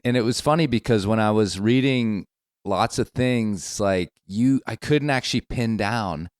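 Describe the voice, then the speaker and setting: A man's voice: low-pitched, no echo, studio quality. A man hosting a podcast interview, rambling and repeating words as he lays out his questions. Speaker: podcast host. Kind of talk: conversational interview. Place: hotel room.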